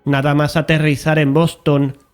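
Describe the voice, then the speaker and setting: A man's voice: a little high, flat delivery, moderate pace, clean tone, soft background music, close to an everyday voice. A man playing an investigator who chronicles sinister events, narrating an audio drama in a solemn, formal way. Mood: measured, serious.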